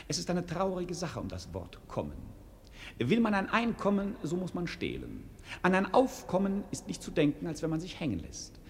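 Cheeky cynical jester, high voice swinging all over, theatrical, noisy old radio play recording. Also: male voice. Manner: theatrical, impudent, punning. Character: mocking, clownish court fool, cheerfully cynical. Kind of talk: classic German radio play acting.

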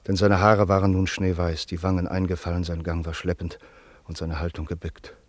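A man playing a solemn narrator for a radio drama. His low voice is recorded close and dry. The delivery is measured, grave and literary. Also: flat delivery, no echo, natural voice. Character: solemn male narrator of a postwar tragedy.

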